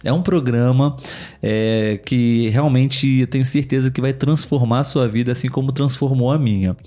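A man's voice: mid-range voice, normal speed, dark tone. A man with a Brazilian Portuguese accent, hosting a podcast in a casual, chatty way with many fillers and asides to his co-host.

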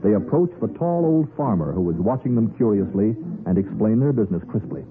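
Animated radio announcer man, music behind. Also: fairly low pitch, fairly quick. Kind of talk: 1940s radio announcing and scripted narration. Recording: narrow-band old radio recording.

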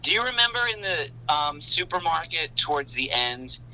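A man's voice: on the high side, very animated, moderate pace, pushed and bright, rough recording. A man, a podcast guest, walking through a book's plot in detail during a casual film discussion. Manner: detailed, explanatory storytelling.

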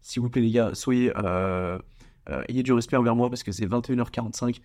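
A man's voice: mid-range voice, steady tone, fairly quick, darkish tone. Young man, solo podcast host; casual slangy delivery, frequent stumbles and repeated words.

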